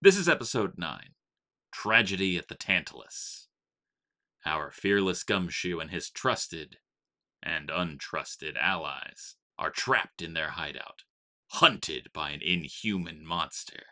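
A man's voice: deep voice, animated, slow, sharp tone. A man announcing an episode with scripted, dramatic narration.

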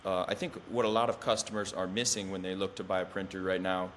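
A man's voice: low-pitched, steady tone, fast, slight background noise. A man hosting a podcast, asking casual interview questions and adding brief interjections. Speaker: podcast host.

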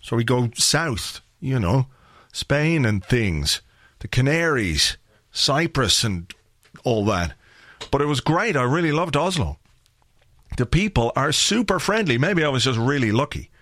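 Irish male podcast host, slightly croaky, rambling and wry, dry booth sound. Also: mid-range voice, big pitch swings, measured pace, a bit bright, dry recording. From Ireland. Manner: rambling, wry and chatty, with filler words. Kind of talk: casual solo podcast chat.

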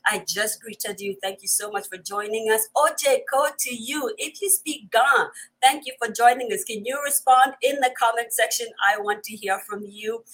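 A woman's voice: fairly high pitch, normal speed, fairly bright tone, low-quality recording. A woman chats to viewers as host of a live online show, effusive and often repeating her phrases. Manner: effusive, repeats phrases, greets in many languages. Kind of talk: chatty livestream greeting of viewers.

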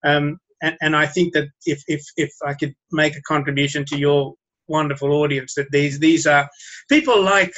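A man from Sri Lanka giving interview answers in a halting way, repeating his words and chuckling often. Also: on the high side, fairly even intonation, fairly bright tone, lo-fi sound. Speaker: guest.

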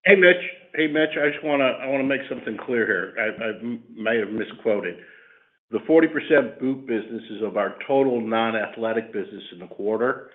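A man speaking as a company executive on an earnings call, plain-spoken and halting, repeating his words. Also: mid-range voice. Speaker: company executive answering analysts. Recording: band-limited phone line.

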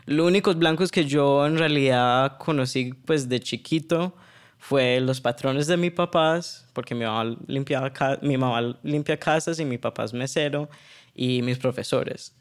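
This is a young man from New York, a podcast guest speaking with a clear, smooth voice. He talks in a casual, searching way, filling gaps with fillers and restarting his sentences. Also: mid-range voice, measured pace. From New York, United States. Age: 20s. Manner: hesitant, many fillers and restarts. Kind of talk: casual conversational interview.

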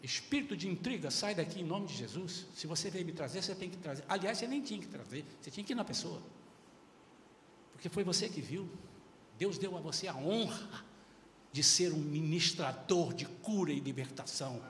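Male pastor, emphatic preaching, high lively voice, echoey church hall. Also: a little fast, slight background noise. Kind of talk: sermon.

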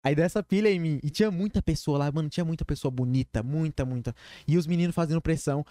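A young man in his teens, casually telling a story on a live stream, full of slang and quick asides. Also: on the high side, warm tone, no echo. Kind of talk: casual chat.

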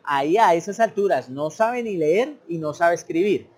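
A man's voice: a little high, lively intonation, moderate pace, soft background music. A man giving a casual, repetitive language lesson, sometimes acting out beginners' broken speech. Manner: conversational, repetitive, acts out learners' broken speech. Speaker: English teacher. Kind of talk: informal teaching monologue.

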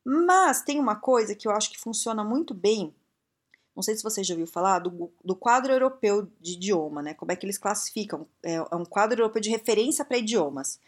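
A woman from Brazil giving frank, blunt career advice straight to the viewer, full of rhetorical questions. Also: mid-range voice. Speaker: career and English-learning advice speaker. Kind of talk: casual direct-to-viewer advice talk.

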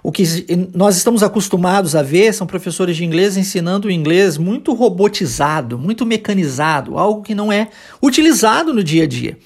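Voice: medium pitch, animated, fairly quick, few pauses. Brazilian teacher giving an informal, emphatic lesson. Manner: conversational, emphatic, checking in with short tag questions. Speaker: English teacher and podcast host. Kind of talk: informal audio language lesson.

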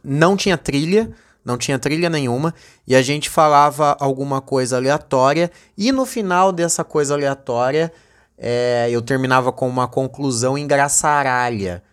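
A man hosting a casual solo podcast, rambling and joking, swinging between low mumbles and excited high bursts. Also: moderate pace. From Brazil. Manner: rambling, joking, addresses his dog as co-host. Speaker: podcast host.

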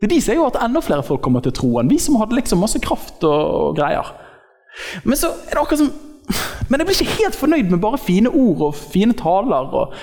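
A male preacher with a fairly high voice that swings widely in pitch, delivering a casual, humorous sermon full of slang. His voice carries a long hall reverb, as from a church hall. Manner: lively, joking, acts out quotes in slangy speech. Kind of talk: informal sermon.

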